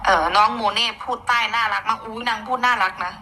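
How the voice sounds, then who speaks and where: Bright-voiced woman with an Isan accent. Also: a little high, fairly even intonation, quick pace, slight background noise, low-quality recording. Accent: Isan (Northeastern Thai). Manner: chatty, opinionated, mixing in Isan dialect, bursts of exclaiming. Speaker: online commentator. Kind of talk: gossip commentary.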